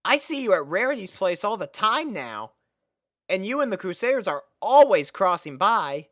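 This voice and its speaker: A woman's voice: medium pitch, big pitch swings, normal speed, fairly bright tone, no room sound, studio quality, voice pushed up. A woman voicing a sweet, innocent young male dragon, earnest and a little hesitant, in a storybook reading. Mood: curious.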